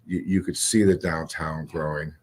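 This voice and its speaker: A male police chief talks in a radio interview with an extremely low, husky voice. He speaks haltingly and repeats short phrases for emphasis. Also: steady tone, darkish tone.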